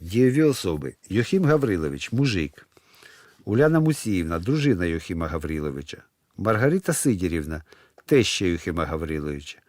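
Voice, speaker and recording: A man reading a comic play aloud, moving between plain stage directions and loud character lines. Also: sits low, sing-song, brisk, dry recording, studio quality. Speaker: narrator reading a play with all its voices.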